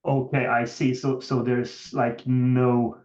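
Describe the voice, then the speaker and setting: A man's voice: mid-range voice, level tone, slow, darkish tone. A man asking conversational questions as a financial analyst on an earnings call. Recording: dull, lo-fi call audio.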